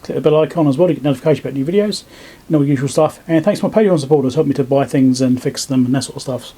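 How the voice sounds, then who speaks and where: At an indoor electronics workbench, a man hosts a hands-on repair video, chatting casually and thinking aloud as he works. His voice is medium in pitch, mellow and husky, and he talks very fast.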